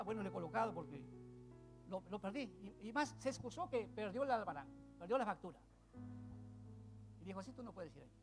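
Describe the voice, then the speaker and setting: A man preaching a sermon, telling a story with loud bursts and then dropping to hushed asides. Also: high voice, vocal fry.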